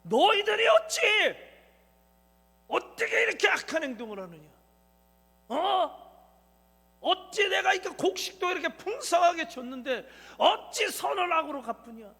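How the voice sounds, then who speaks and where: Pastor acting out a raging ruler shouting rebukes in a high, lively voice, long hall reverb. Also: male voice, moderate pace, gravelly, pauses often, full character voice. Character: furious ruler scolding kneeling brothers.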